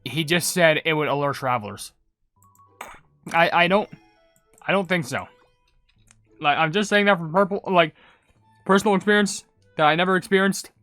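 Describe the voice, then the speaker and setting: A man's voice: a little high, moderate pace, pauses often, sharp tone, dry recording. A man giving casual, chatty, rambling reaction commentary on a video game. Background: game music.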